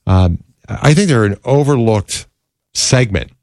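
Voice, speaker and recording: A man's voice: medium pitch, lively intonation, a little slow, darkish tone, no echo. A man hosting a Christian talk show in a studio, speaking in a reflective, preacherly way with some fillers. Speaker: radio host. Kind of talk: Catholic talk show monologue and interview.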